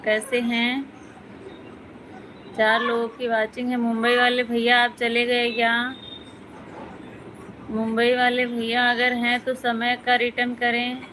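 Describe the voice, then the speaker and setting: A woman hosting a casual livestream from Jammu, greeting viewers one by one in a friendly, chatty way. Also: fairly high pitch. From Jammu region, India. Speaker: livestream host. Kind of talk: casual livestream chat reading viewer comments. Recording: noisy home livestream audio.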